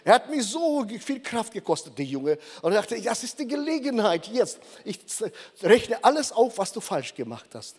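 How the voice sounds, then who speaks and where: An older man preaching a sermon, emphatic and slowing down for dramatic pauses. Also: high-pitched, sing-song, darkish tone, slightly rough, in a large hall.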